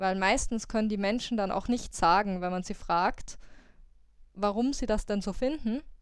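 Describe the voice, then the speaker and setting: A woman with a normal speaking voice, medium pitch, moderate pace and ordinary pitch variation. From Austria. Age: 20s. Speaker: podcast host. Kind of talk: casual chat.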